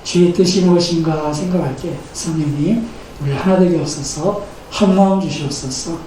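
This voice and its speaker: Pastor, man, 50s, earnest sermon; high voice, heavy church reverb. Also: moderate pace, dark tone. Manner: earnest preaching with rising emphasis. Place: church sanctuary. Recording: echoey church hall, mic at a distance, faint noise.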